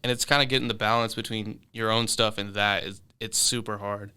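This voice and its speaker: A man in his twenties, raised in London, answering interview questions in a relaxed, hesitant way with many fillers and restarts, in a studio. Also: lowish voice, fairly quick, clear, resonant tone. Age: 20s. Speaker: guest musician.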